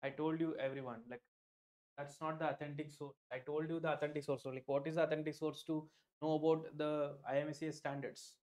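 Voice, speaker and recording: A young man with an Indian English accent and a fairly high voice talks his students through a live online lesson. He leans on "like" as a filler, repeats himself, and calls on viewers by name. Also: little pitch movement, fairly quick, darkish tone. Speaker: online exam tutor. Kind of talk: live-stream lecture.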